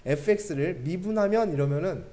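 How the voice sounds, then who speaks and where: A man's voice: a little high, expressive, dark tone. A man teaching a math class, often checking in with the students and adding joking asides. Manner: keeps checking understanding with quick questions to students; joking asides between explanations.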